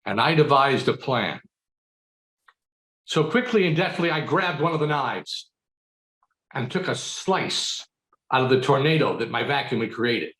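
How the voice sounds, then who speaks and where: Animated American man telling a tall tale. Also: medium pitch. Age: middle-aged. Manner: mock-earnest, dramatic delivery with pauses. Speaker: speech contest speaker. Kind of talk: theatrical comic storytelling speech. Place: book-lined room at home. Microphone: video call. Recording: roomy, echoing video call.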